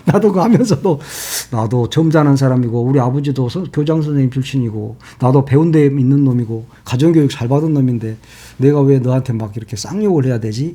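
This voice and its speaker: A man hosting a casual political commentary monologue, heated and mocking, swearing freely and swinging between shouting and muttering asides. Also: mid-range voice, breathy edge. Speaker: political commentary channel host.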